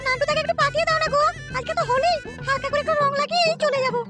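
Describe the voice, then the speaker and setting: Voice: very high voice, fairly even intonation, racing, over music. An actor voicing a coy, flirtatious neighbour woman in a comic cartoon.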